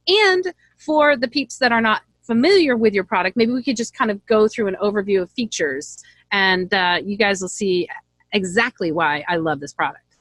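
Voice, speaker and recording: A woman's voice: medium pitch, moderate pace, fairly bright tone, no echo. A woman hosting a conversational interview, chatty and upbeat. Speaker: host and voice talent.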